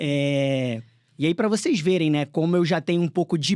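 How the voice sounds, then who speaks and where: A man with a strong carioca accent talks at a fairly slow pace, his pitch high for a man. The tone is dark and mellow, and the recording is very clean with a silent background. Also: dry, close sound with no echo. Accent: thick Rio de Janeiro (carioca). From Rio de Janeiro, Brazil. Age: 30s. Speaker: police chief and law professor. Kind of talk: podcast interview.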